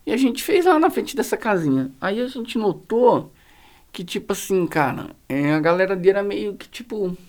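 A man with a Brazilian Portuguese accent, a pastor telling stories as a podcast guest in slangy, animated casual talk full of fillers. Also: high-pitched, moderate pace. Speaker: guest, pastor running a social project. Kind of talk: casual storytelling in a podcast conversation.

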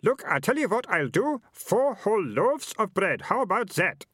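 Man putting on a high-voiced haggling townsman. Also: sing-song, moderate pace, fairly bright tone, husky, no room sound, studio quality, full character voice. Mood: pushy haggling. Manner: pushy, salesman-like questioning. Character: nosy, wheedling, haggling townsman.

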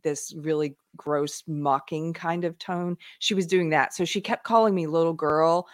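A woman's voice: low voice, steady tone, a little slow, dry recording, clean studio sound. A woman hosting a live online talk show, retelling events animatedly with frequent laughs. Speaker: livestream show host. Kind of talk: casual chat.

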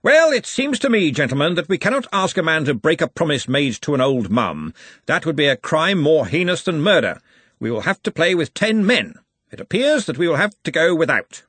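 A man's voice: fairly high pitch, big pitch swings, a little fast, a bit bright, slightly rough, no room sound, pitched above the performer's own voice, exaggerated voice. A man voicing a commanding, grandiloquent head of a wizard university in an audiobook, speaking in pompous, emphatic sentences. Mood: solemn. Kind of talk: audiobook character voice.

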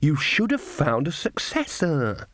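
A man's voice: fairly high pitch, wildly swooping pitch, unhurried, a bit bright, no room sound, clean studio sound, full character voice. A man voicing a cold, commanding woman in a mirror who gloats imperiously.

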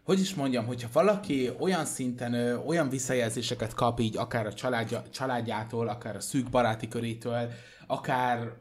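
A man co-hosting a podcast, talking in a rambling, hesitant way with many fillers. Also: mid-range voice. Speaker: podcast co-host. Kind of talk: casual chat.

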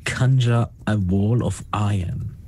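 A man's voice: on the low side, takes it slowly, warm tone, a little hiss or hum. A man playing a tabletop game, asking questions in a casual, tentative way. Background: faint music.

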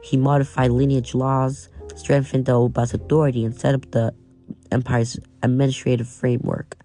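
Hosting a scripted history podcast with soft music behind him, this young Nigerian man speaks with an American accent in a warm, medium-pitched voice. His pitch barely moves and his speed is normal, though he stumbles over some names and restarts them.

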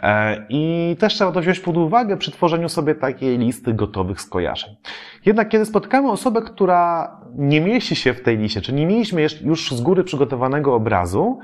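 A man talks through memory techniques like a trainer giving a lesson. His pitch moves a lot, rising sharply on key points. He often pauses with short filler sounds between phrases. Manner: explanatory, many filler "e" sounds, lively emphasis. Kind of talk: educational talk to camera.

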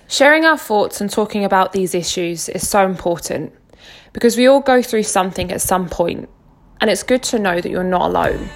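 Gravelly-voiced English woman from Essex. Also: medium pitch. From Essex, England. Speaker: podcast host. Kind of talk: scripted solo podcast intro.

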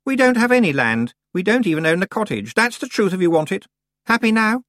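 A proud, prickly teenage girl witch who bristles and gets defensive at every challenge, as a man reading aloud puts her on. Her voice sits well up high and swoops around, recorded dry and close. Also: huge pitch swings, a bit bright, dry recording, full character voice. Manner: indignant, defensive, quick to bristle.

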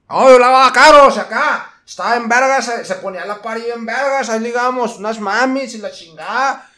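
A man's voice: very high voice, fairly quick, pushed and bright, pitched above the performer's own voice. A man with a northern Mexican accent voicing a cocky, crude young male cholo car washer, slangy and taunting. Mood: boastful.

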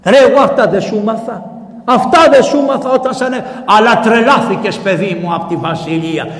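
A man's voice: high voice, roomy sound, in a large hall, voice pushed up, close to an everyday voice. A man voicing an enraged old empress who scolds her emperor son. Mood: furious scolding. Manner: shouting, scolding.

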